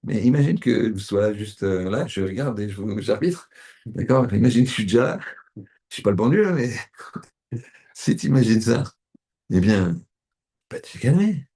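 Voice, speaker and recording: A middle-aged man, a rabbi, giving an animated sermon and acting out little scenes in other voices. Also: lowish voice, normal speed, pauses often, husky.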